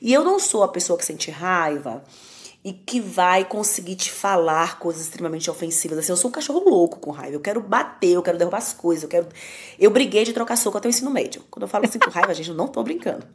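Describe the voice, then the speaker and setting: A woman's voice: on the low side, expressive, fast. A woman with a Brazilian Portuguese accent, a psychoanalyst guest talking candidly and emphatically on a podcast. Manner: candid, emphatic, self-mocking. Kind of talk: conversational podcast talk.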